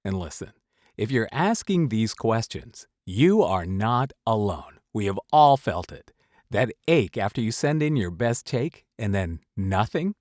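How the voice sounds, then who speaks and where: A man hosting a motivational advice talk, emphatic and semi-scripted, with dramatic pauses. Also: lowish voice, sing-song, darkish tone, no echo, studio quality. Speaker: host, voice-over coach.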